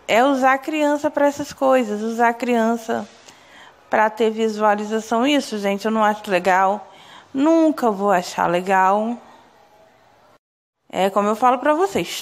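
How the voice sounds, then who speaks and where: A hoarse young woman from Brazil, vlogging to camera in an indignant, gossipy way, talking straight to her viewers. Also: fairly high pitch. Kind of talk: casual opinion vlog to camera. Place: small indoor room. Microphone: phone or webcam close to face.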